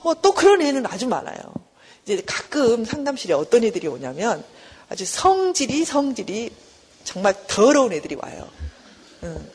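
A middle-aged woman professor lectures on counseling with a lively, swooping voice that jumps into the voices of mothers and children. Her tone is slightly husky. A long reverb trails behind her, as if in a large hall. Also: on the high side, normal speed. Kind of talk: recorded lecture.

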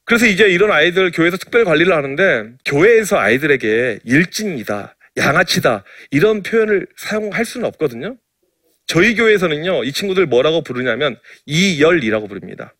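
Middle-aged pastor telling funny stories. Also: male voice, on the high side, very animated, fairly quick, a bit bright, no echo, clean studio sound. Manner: playful, self-mocking, anecdotal. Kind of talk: humorous sermon storytelling.

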